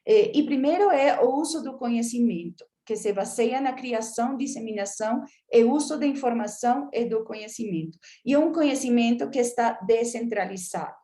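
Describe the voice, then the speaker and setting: A woman's voice: fairly high pitch, moderate pace, hardly any pauses, mellow. Hesitant woman lecturing, frequent fillers. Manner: hesitant, many filler sounds while searching for words. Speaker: academic lecturer. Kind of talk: academic lecture with slides.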